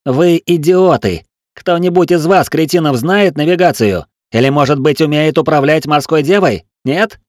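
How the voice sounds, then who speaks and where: A man's voice: mid-range voice, animated, moderate pace, darkish tone, dry recording, clean studio sound, pitched above the performer's own voice, close to an everyday voice. A man voicing a cold, scornful male ship officer who speaks with contempt and command. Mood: contemptuous.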